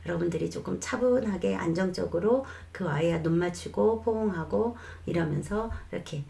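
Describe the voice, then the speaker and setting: A woman who is a child development expert, calmly explaining parenting advice in a lesson and sometimes acting out what a mother might say. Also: fairly low pitch, normal speed, gravelly. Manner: calm, reassuring explanation with acted quotes of mothers.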